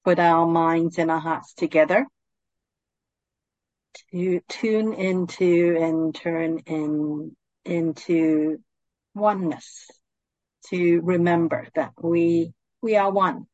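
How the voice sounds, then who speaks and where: A woman guides a meditation at a very slow, unhurried pace. Her voice is fairly low and soothing, with calm, gentle instructions. The recording is dry and slightly dull. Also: no echo.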